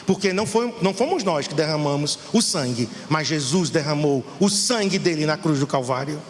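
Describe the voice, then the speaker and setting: A Brazilian pastor preaches with fervor, his voice sitting high for a man. The sound carries a long reverb from the church hall, with faint noise underneath. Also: expressive, normal speed. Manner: fervent, preaching to the congregation. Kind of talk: sermon.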